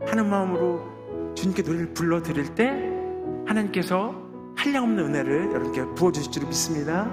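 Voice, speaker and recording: High-voiced man preaching in a reverberant church. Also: expressive, brisk, over loud music. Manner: emphatic preaching with frequent amens and call-and-response. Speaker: pastor giving testimony. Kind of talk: sermon. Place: church sanctuary. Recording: long reverb of a church sanctuary.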